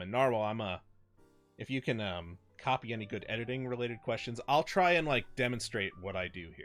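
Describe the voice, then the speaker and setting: Music plays behind a man with an American accent who speaks at a very fast pace in a medium pitch. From New Jersey. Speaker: video editor and streamer. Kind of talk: live stream chat and editing tutorial. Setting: live stream. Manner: halting, many fillers.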